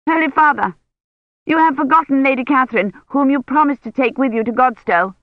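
A reader voicing a sharp, imperious old noblewoman. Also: high voice, a little fast, no echo, muffled recording, pitched above the performer's own voice. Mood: insistent. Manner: sharp, commanding, insistent.

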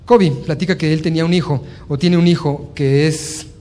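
A man's voice: on the high side, normal speed. A man giving a motivational talk on leadership, telling stories with lots of fillers and restarts. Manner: animated storytelling, acting out dialogue, frequent fillers. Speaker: motivational speaker.

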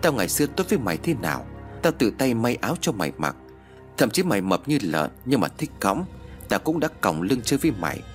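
A vengeful village schemer, voiced by a male storyteller, gloating as she speaks. The voice sits low yet moves in animated swings. Faint music plays beneath the storytelling. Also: a little fast. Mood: taunting. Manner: gloating, taunting.

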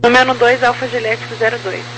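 A woman's voice: on the high side, flat delivery, a little fast. A woman with a Brazilian accent working as an air traffic controller, speaking clipped phraseology over a crackly, military-sounding two-way radio. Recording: crackly noisy aviation radio with hum.

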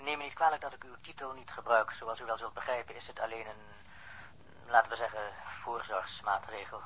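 An actor playing a cautious, disapproving embassy official, formal and over-polite, through a telephone filter in a radio drama. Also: male voice, mid-range voice, steady tone, brisk, sharp tone, breathy edge, rough recording.

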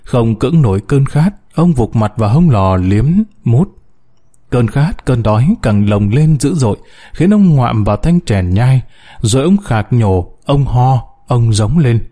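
A man narrating an audiobook story in a dramatic, expressive way. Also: mid-range voice, unhurried.

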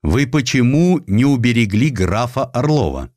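A man's voice: mid-range voice, sing-song, normal speed, darkish tone, no echo, clean studio sound, pitched above the performer's own voice, close to an everyday voice. A man voicing an imperious, resentful tsar in a historical audiobook, stern and pompous. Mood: accusing.

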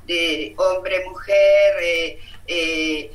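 A woman with an Italian accent, speaking Spanish as a second language at an online meeting, halting with many fillers and restarts. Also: lowish voice, fairly even intonation. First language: not Spanish. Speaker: activist speaker. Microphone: video call. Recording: distant mic with faint hiss.

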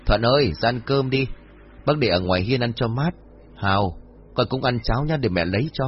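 A man's voice: medium pitch, lively intonation, brisk, a little hiss or hum, natural voice. A man voicing a fussy, practical older village mother who scolds her son. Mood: scolding. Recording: dull lo-fi audio with faint music.

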